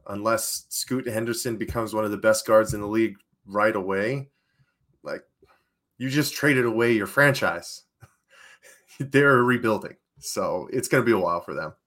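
A man's voice: on the low side, measured pace, fairly bright tone. A man co-hosting a sports show who talks emphatically and laughs between his words. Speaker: podcast co-host. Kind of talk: casual sports chat.

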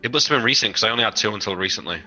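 A man's voice: fairly low pitch, expressive, rapid-fire, sharp tone, faint music behind, rough recording. A British man playing in a livestreamed tabletop game, chatting casually, swearing freely and stumbling over his words. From United Kingdom. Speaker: player.

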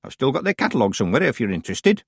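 Storybook old witch played by a man: high, wildly animated pitch, proud and sly, old-fashioned genteel manner. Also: very fast, no echo, studio quality. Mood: pleased, wry. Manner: crisp, dramatic, old-fashioned genteel phrasing. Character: old woman witch, sly, proud, theatrical, kindly stern. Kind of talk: audiobook character voice.

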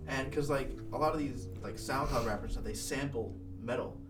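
A man's voice: mid-range voice, moderate pace. A man hosting a podcast, easygoing and joking in casual chat. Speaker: podcast host. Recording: echoey, distant mic with music behind.

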